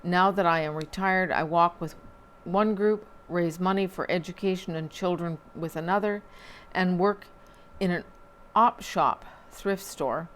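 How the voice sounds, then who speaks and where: A woman reading local newspaper items aloud at a measured pace, with small slips and dry asides. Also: lowish voice, steady tone, a little hiss or hum.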